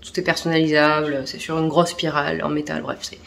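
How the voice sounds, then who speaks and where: A woman's voice: low voice, little pitch movement, fairly quick, gravelly, a bit bright, slight background noise. A woman vlogger chatting casually to her followers, with a rambling, self-interrupting way of talking. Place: at home, kitchen.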